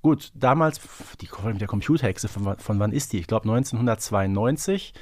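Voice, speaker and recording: A man's voice: lowish voice, lively intonation, a little fast, darkish tone, no room sound. A man co-hosting a podcast, explaining things casually and reflectively, with some hesitation. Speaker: podcast co-host. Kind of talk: casual, knowledgeable fan discussion.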